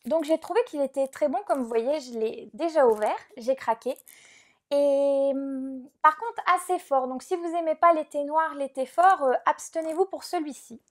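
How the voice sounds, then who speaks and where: High-voiced chatty young woman vlogger. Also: a little mellow. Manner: chatty, many fillers and "donc". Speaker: beauty vlogger. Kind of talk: casual unboxing vlog.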